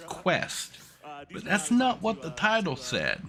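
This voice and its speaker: A man with an American accent talks at a very slow pace over noticeable background noise. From US South. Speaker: VTuber streamer. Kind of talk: casual commentary.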